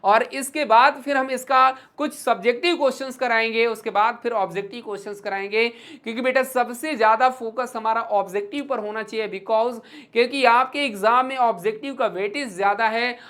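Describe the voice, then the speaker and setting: High-ish voice indian lady teacher, online exam lesson, hindi-english mix, calls the kids beta. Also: fairly bright tone. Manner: reads English verse slowly in a rhythmic recital.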